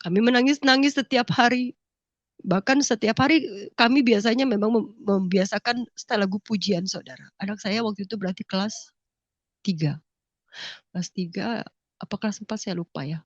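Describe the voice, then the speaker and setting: A woman's voice: medium pitch, moderate pace, no echo. A middle-aged woman giving an emotional church testimony, tearful and sniffling, often turning to her listeners as brothers and sisters. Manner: addresses listeners as "saudara", voice breaking with grief. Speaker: testimony speaker. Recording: dull lo-fi dry recording.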